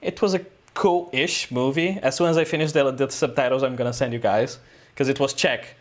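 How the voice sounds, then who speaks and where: A man's voice: medium pitch, steady tone, a little fast. Man telling a story. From Brazil. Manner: loose, rambling storytelling with frequent "uh" and "um". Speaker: guest filmmaker. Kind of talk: casual podcast interview.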